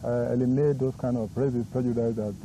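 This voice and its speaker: A man from Nigeria with a Nigerian accent, Isoko his first language, speaking as a guest in earnest, halting conversation. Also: medium pitch, little pitch movement. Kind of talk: casual conversation. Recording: 1980s cable TV studio tape, faint noise.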